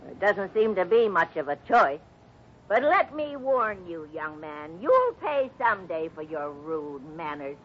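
A woman's voice: sing-song, measured pace, muffled recording. A woman playing a tiny, scolding, exasperated old lady in a 1950s radio drama. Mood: indignant. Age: older. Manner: scolding, bossy, old-fashioned exclamations. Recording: noisy, rumbling 1950s radio recording.

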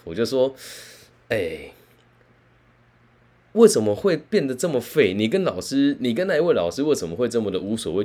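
A man, a career counselor telling a story in an animated, conversational way. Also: medium pitch. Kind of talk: storytelling talk.

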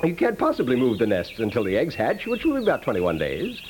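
A man's voice: medium pitch, wildly swooping pitch, quick pace, darkish tone. An actor playing an earnest, officious Humane Society man who speaks precisely and with a bird enthusiast's zeal, in 1950s radio comedy style. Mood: stern, officious. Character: earnest, pedantic bird-loving Humane Society officer, polite but stern. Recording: noisy vintage 1950s radio recording.

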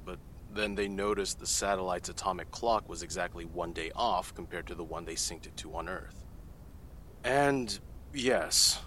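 A man's voice: lowish voice, fairly bright tone, a little hiss or hum. A man playing a CIA analyst giving testimony in an audio drama, matter-of-fact and growing incredulous. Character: guarded male CIA analyst under questioning.

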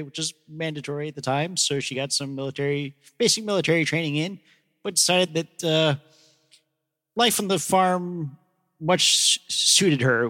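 A man casually describing his tabletop character, halting and rambling with frequent self-corrections. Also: fairly high pitch, pushed and bright, long reverb tail. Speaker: player.

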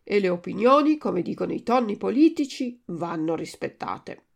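A woman's voice: medium pitch, big pitch swings, normal speed, gravelly. A woman voicing a resigned, philosophical male tuna with a cracked voice in a storybook reading. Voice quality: cracked, like an untuned guitar.

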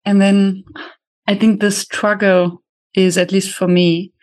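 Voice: mid-range voice, flat delivery, takes it slowly, darkish tone. A podcast host whose first language is German, speaking English with a German accent in a thoughtful, questioning way. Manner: thoughtful, asks questions, speeds up when explaining. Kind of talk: casual podcast conversation.

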